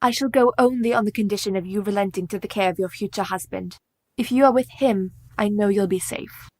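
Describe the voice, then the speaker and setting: An actress playing a caring, composed young woman who speaks in steady, formal period English in a radio play. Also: medium pitch, brisk, no echo, lightly acted. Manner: steady, reassuring, formal speech.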